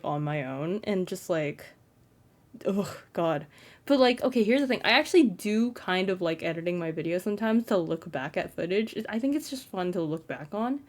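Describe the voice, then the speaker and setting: A young trans man makes a casual late-night vlog in his bedroom as a content creator, rambling self-consciously and leaning on "like." His fairly flat voice sounds feminine and sits high.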